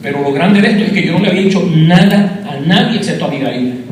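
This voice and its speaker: A man's voice: on the high side, fast talker. A man from Rico, giving a fervent testimony sermon and calling his listeners brother. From Puerto Rico. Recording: echoey hall, distant mic, noisy.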